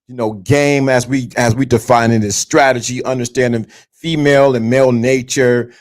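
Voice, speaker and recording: With a darkish tone and a voice in the middle range, a livestream host in his fifties motivates his viewers. He addresses them head-on, preachy and repetitive, restating his key points again and again.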